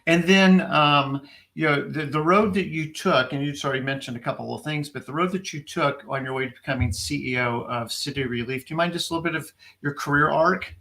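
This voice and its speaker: A man's voice: a little high, fairly quick, sharp tone. A man hosting a casual interview, upbeat and encouraging as he asks his guest questions. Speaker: host.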